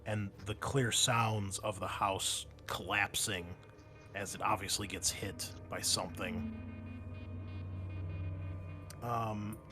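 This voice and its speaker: A man narrating a tabletop roleplaying game as game master, in a halting, descriptive, conversational way. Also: lowish voice, fairly even intonation, soft background music.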